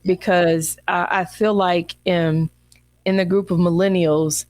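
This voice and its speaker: Give me a woman co-host with a low voice. She speaks slowly and thoughtfully, restarting phrases, and the recording is dry and close. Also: steady tone, darkish tone, no echo. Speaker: podcast co-host. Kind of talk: casual chat.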